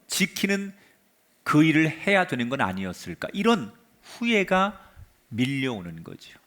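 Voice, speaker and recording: A man, a pastor, preaching a sermon and retelling a story with drama, his voice sinking to a hush at the end of phrases. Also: a little high, wildly swooping pitch, measured pace. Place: church sanctuary.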